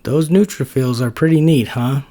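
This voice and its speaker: A man's voice: medium pitch, normal speed, mellow, voice pushed up, lightly acted. A man voicing a hungry, dim-witted, laid-back male white blood cell in a storybook reading. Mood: cheery. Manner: easygoing, slangy drawl.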